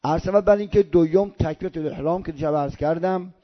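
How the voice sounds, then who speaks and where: An older man from Iran giving a religious lesson on prayer, slowly drawing out Arabic sounds as he demonstrates them. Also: on the high side, dull audio. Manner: slow drawn-out recitation of Arabic sounds. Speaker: cleric teaching prayer.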